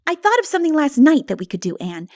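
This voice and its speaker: A woman voicing a practical, excitable young girl in an animated, emphatic audiobook reading. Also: high voice, fast, dry recording, studio quality, voice pushed up. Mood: chatty, eager. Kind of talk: dramatic audiobook character reading.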